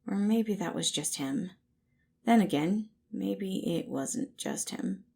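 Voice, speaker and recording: A woman's voice: mid-range voice, animated, slow, gravelly, a little mellow, a little hiss or hum. A woman reading scripted fiction aloud as the narrator of an audio story.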